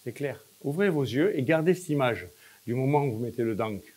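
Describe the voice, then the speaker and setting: Man, hypnosis practitioner, mid-pitched voice, short directive phrases, repetitive, coaxing. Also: lively intonation, brisk, darkish tone, husky. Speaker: hypnosis practitioner leading a demonstration. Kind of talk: guided hypnosis session, spoken instructions.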